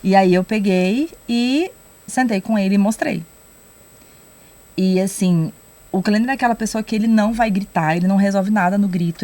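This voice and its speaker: Young woman telling a lively testimony. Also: mid-range voice. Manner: lively storyteller acting out quoted dialogue. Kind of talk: casual testimony storytelling.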